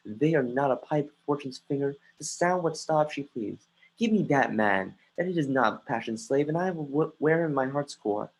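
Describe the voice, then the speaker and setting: An actor playing an earnest, brooding young prince in a Shakespeare stage reading, with a husky voice and halting delivery. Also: male voice, medium pitch, lively intonation, low-quality recording. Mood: earnest confiding. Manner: halting, restarts phrases mid-line. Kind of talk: dramatic reading of Shakespeare, often stumbling. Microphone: home computer mic on a livestream.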